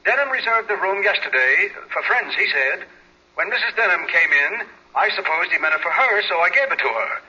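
High-voiced, deferential desk clerk. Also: male voice, animated, a little fast, sharp tone, husky, heavily acted. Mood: obliging. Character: deferential, helpful male hotel desk clerk. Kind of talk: 1940s radio drama acting. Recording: dull, muffled old radio phone voice.

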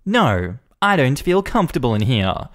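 A man's voice: medium pitch, very animated, moderate pace, fairly bright tone, pitched above the performer's own voice. A man voicing a rude, entitled middle-aged woman who screeches and sneers at everyone. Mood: sneering.

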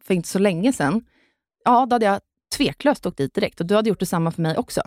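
A woman's voice: medium pitch, expressive, a little mellow, dry recording, studio quality. A young woman co-hosting a podcast, telling a personal story in casual chat and swearing freely. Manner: candid, swears a lot, retells with "jag bara". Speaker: podcast co-host.

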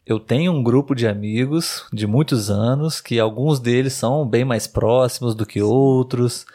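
A Brazilian man in his thirties talks as a podcast host and language tutor. His voice sits at an average pitch, and his delivery is conversational, aimed at learners. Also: normal speed, warm tone. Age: 30s. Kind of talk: casual chat for language learners.

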